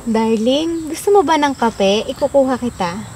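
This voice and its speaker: Woman playing a sweet doting wife, high voice. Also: expressive, moderate pace, a little mellow, a little hiss or hum. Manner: sweet and coaxing, calls him darling constantly. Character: sweet doting young wife, suddenly extra kind. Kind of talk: comedy skit acting. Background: background music.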